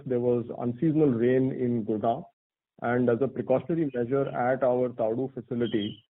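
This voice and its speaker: Over a narrow, tinny conference phone line, a man in a senior corporate role answers analysts' questions. He speaks at a middling pitch in a measured, articulate, businesslike way, setting out his reasoning as on an earnings call. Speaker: company executive answering analysts.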